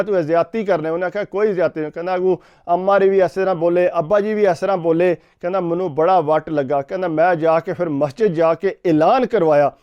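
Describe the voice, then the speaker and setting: A man retells a story for his vlog, framing every line with "he said". His voice sits high and rolls on quickly, smooth and clear. The recording is dull and lo-fi. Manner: rapid retelling, every sentence framed with "he said". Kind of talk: casual storytelling to camera.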